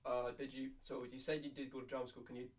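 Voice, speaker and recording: A man's voice: mid-range voice, little pitch movement, fast talker, far from the mic. Young man asking questions off-mic. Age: young adult. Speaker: student interviewer. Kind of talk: interview questions.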